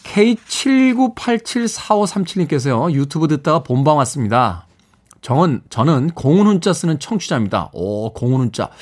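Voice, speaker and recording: A man's voice: mid-range voice, slightly rough. A man from Seoul hosting a morning radio show, reading listener texts playfully with chuckles. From Seoul, South Korea. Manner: lively, playful, chuckles between messages. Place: radio studio.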